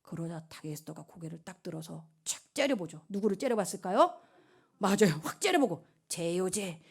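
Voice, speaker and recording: Animated woman pastor telling a story. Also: fairly low pitch, fairly quick, vocal fry, husky. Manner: animated storytelling, acts out characters. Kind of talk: sermon retelling a Bible story to youth.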